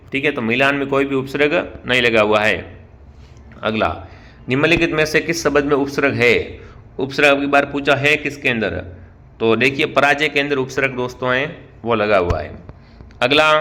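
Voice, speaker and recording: A male online teacher with a Rajasthani Hindi accent runs a quick-fire spelling quiz. His voice is bright and forward, and it sits at an ordinary middle pitch. He keeps putting questions to the viewers and then answers them himself. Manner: keeps calling out to the viewers as friends. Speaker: online exam-prep teacher.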